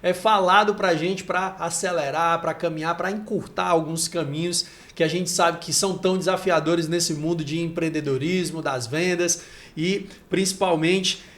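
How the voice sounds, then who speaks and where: Upbeat high-voiced male podcast host. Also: fairly even intonation, normal speed, fairly bright tone. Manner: upbeat, enthusiastic introductions. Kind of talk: podcast hosting and interviewing.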